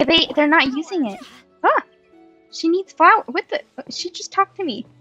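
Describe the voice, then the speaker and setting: A high-voiced woman hosts a casual let's play, murmuring her thoughts and breaking into playful exclamations. Her microphone sounds slightly dull, and game music plays behind her. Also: expressive, moderate pace, bright, forceful tone. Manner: playful, exclaiming, mutters to herself. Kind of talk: casual gaming chat, thinking aloud.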